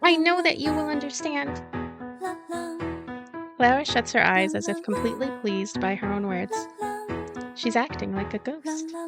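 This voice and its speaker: A woman hosting a let's play, reading a visual novel aloud as expressive narration with casual commentary. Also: medium pitch.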